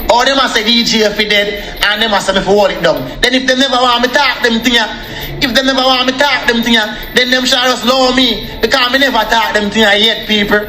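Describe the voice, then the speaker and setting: A man's voice: very high voice, steady tone, brisk, pushed and bright, echoey room. A young man with a Jamaican accent ranting angrily on a live stream, repeatedly calling out to his viewers. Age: young adult. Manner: repetitive, addresses viewers as people. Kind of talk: angry live-stream rant.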